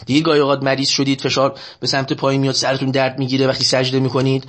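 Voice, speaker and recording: A man giving a sermon that explains Arabic prayers. He chants the prayer lines slowly and drawn out, then explains them more quickly, often urging listeners to pay attention. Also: mid-range voice, completely flat delivery, a bit bright. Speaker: religious lecturer.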